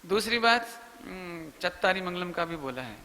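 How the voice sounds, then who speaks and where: A man preaches in a question-and-answer session with a high, piercingly bright voice. He explains patiently and stretches out chanted syllables. The sound rings through a reverberant hall. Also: expressive, normal speed, a little hiss or hum. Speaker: Jain preacher. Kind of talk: religious Q&A discourse.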